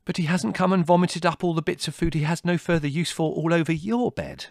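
A man's voice: mid-range voice, big pitch swings, moderate pace, no echo, clean studio sound, pitched above the performer's own voice, natural voice. A man voicing an irascible young older brother in an audiobook, biting, sarcastic and theatrically indignant. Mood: exasperated. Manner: biting, withering, exaggerated indignation. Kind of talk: audiobook character dialogue.

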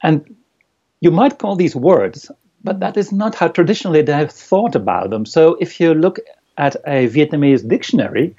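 A man's voice: on the high side, lively intonation, normal speed, dark tone, husky. Thoughtful man, muffled recording. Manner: hesitant, thoughtful, searching for words. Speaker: interviewee, language learner. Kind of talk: conversational interview.

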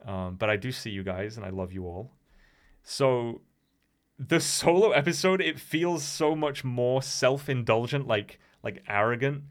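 A man's voice: mid-range voice, animated, a little slow. A man of twenty-five with a somewhat Americanized English accent, hosting a casual solo podcast in a meandering, slightly nervous way with many restarts. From England. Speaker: podcast host and streamer.

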